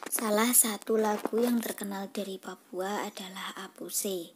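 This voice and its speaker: A woman reading a schoolbook lesson aloud to children, patient and soft, half-whispering. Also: mid-range voice, steady tone, background noise. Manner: slow, patient, addresses children directly. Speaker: teacher.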